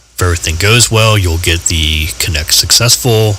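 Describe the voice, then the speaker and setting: A man with lively intonation speaks at a fairly slow pace while noticeable background noise carries on. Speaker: amateur radio software tutorial host. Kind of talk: tutorial.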